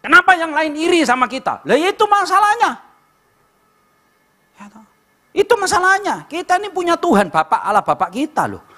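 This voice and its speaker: Animated East Javanese preacher, high voice. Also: male voice, normal speed, pauses often. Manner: joking, blunt preaching with rhetorical "right?" asides. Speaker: pastor. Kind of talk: sermon.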